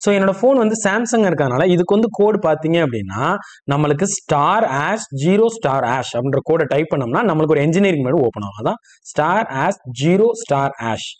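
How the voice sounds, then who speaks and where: A man with a fairly high voice speaks very quickly as an instructor. He explains things step by step, pausing to check that the listener follows. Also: very animated. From India. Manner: explanatory, checks understanding with short questions. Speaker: phone repair instructor. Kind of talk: spoken tutorial, step-by-step explanation.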